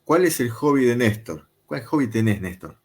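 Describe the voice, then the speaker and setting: A man hosting a video call interview, talking in an unhurried, conversational way with frequent filler pauses. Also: medium pitch, very animated, breathy edge. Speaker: interview show host.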